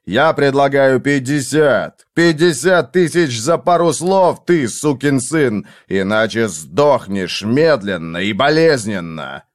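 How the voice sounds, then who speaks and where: A man voicing a brutal vengeful man who interrogates in a harsh, slow, menacing way. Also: mid-range voice, lively intonation.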